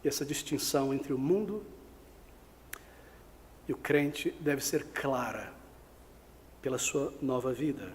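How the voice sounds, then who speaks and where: A man's voice: medium pitch, slow pace, pauses often, in a large hall, a little hiss or hum. A man preaching an expository sermon as pastor, pressing his listeners with rhetorical questions.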